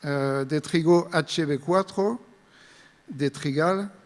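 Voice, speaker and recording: Slow-talking man with a French accent. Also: fairly high pitch. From France. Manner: careful, hesitant speech in a second language. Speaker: invited speaker, wheat breeder. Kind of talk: conference presentation. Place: conference hall. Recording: long reverb of a large hall.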